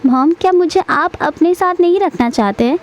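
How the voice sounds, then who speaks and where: A woman's voice: very high voice, moderate pace. A woman voicing a sweet little boy who pleads for his parents, read plainly in her own storytelling voice. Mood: pleading.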